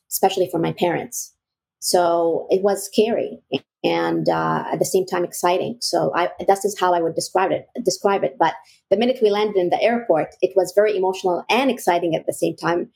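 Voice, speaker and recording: A young adult woman from Egypt, a real estate broker talking casually as an interview guest, warm and quick to laugh. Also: on the low side, creaky, slightly rough.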